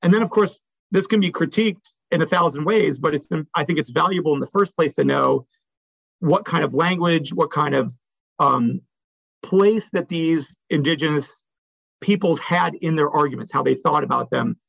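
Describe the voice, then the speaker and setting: A man's voice: fairly high pitch, moderate pace, creaky, a bit bright, husky, no echo, dull audio. A man speaking as an academic, answering audience questions after a talk in an explanatory, hedging way that often checks in with the listeners.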